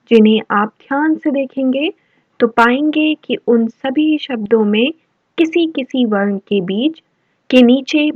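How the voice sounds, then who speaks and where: Slow, patient woman teacher, lo-fi. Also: on the high side, no echo. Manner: slow, patient, explains word by word. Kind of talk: worksheet lesson for children. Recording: dull lo-fi voice-over.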